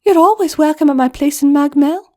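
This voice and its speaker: A woman's voice: high voice, brisk, dark tone, pitched above the performer's own voice, natural voice. A woman voicing a kind adult woman who reassures others firmly. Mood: reassuring.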